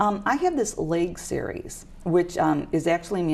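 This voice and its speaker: Her voice sits fairly low for a woman and carries vocal fry. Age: 50s. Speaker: magazine collage artist. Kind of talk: interview answer.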